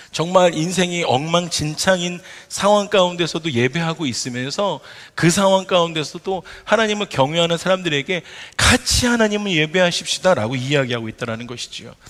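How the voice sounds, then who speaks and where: A man's voice: a little high, fairly bright tone. A male pastor preaching an emphatic sermon and asking the congregation rhetorical questions, recorded in a church sanctuary. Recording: long hall reverb in a church.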